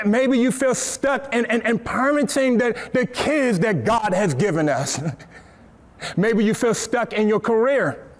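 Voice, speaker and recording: A young man preaching a sermon from a church stage, lively and repetitive, with stammered restarts. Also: high voice. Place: church stage, seated on a stool.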